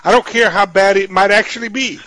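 Radio host guy, stumbles and restarts a lot, slightly high, dry sound. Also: fairly even intonation, pushed and bright, no room sound, rough recording. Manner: halting, restarts often, emphatic asides. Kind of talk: interview talk.

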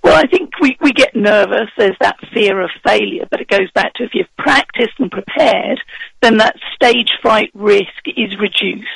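High husky guy coaching on presentations, real gravelly, dry sound. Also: moderate pace, fairly bright tone, no echo, poor audio. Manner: confident, instructive. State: husky voice from heavy speaking. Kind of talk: advice in a radio interview.

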